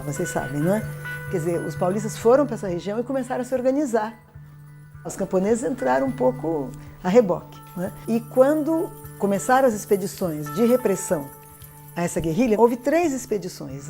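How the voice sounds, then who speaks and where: A woman's voice: mid-range voice, dark tone. A Brazilian woman speaking as an expert in an interview, explaining and checking that the listener follows. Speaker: expert commentator.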